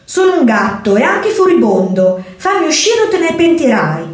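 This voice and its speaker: A woman voicing a frightened, angry little male black kitten who cries out threats in a shrill voice. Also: big pitch swings, a little slow, darkish tone. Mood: furious. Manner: desperate, shrill meowing threats. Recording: echoey room, far from mic.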